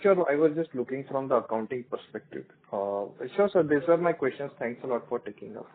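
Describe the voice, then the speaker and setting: A man's voice: mid-range voice, animated, brisk. A man politely putting formal questions as an analyst on a business conference call. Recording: narrow phone-line sound.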